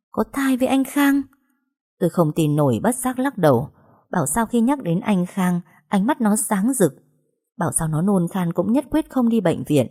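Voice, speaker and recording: Woman reading a dramatic story aloud, lowish voice, steady and serious. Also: husky. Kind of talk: first-person audio story narration.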